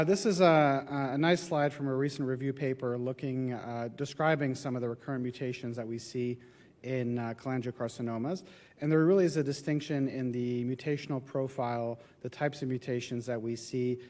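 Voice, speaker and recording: Brief: male oncologist speaker, nasal and stuffy from a cold, halting delivery with mid-range pitch. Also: darkish tone. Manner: halting, many filler sounds. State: getting over a cold. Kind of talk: conference presentation. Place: conference venue.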